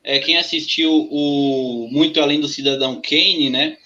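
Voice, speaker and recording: A man's voice: on the high side, steady tone, measured pace, bright, forceful tone, dull audio. A man hosting an interview, asking questions hesitantly with many fillers and restarts. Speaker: interview host.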